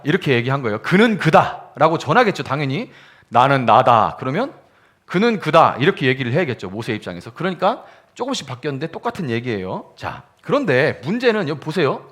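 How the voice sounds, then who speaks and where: Lively-voiced male pastor teaching. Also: mid-range voice. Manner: conversational teaching, asks the congregation questions, sounds out syllables. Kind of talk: explanatory sermon. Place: small church service.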